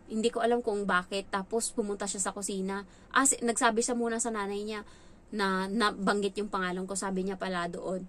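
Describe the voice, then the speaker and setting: A woman vlogging in a casual storytelling way about her work as a domestic helper, animated and quick to act out what others said. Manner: animated, acts out quoted lines in a higher voice. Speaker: domestic helper telling stories about her employers' child.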